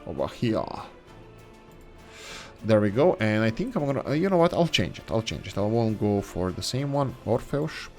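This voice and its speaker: Very animated yet darkish in tone, his lowish voice runs at normal speed against soft music. The gaming channel host, a non-native English speaker, chats casually through a let's-play, thinking out loud as he builds and rambling with corrections.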